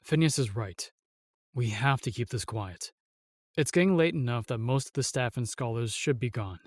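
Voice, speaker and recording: A man playing a steadfast, protective royal guard, formal and measured, in a fantasy audio drama. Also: medium pitch, no room sound, studio quality, lightly acted. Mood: calm, resolute.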